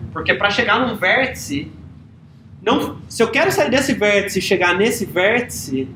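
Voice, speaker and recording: A man lecturing to a class in an easygoing, conversational way, pausing often to check that the students follow. His voice carries around a reverberant classroom with a faint hiss underneath. He sounds like a teacher at the board, not reading from a script. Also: sits high, a bit bright. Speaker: university lecturer. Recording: echoey classroom recording.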